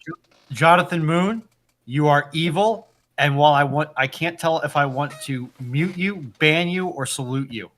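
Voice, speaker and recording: A man's voice: a little high, normal speed, fairly bright tone. A man moderating a casual live discussion, speaking hesitantly and often restarting his sentences. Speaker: live stream moderator and panelist.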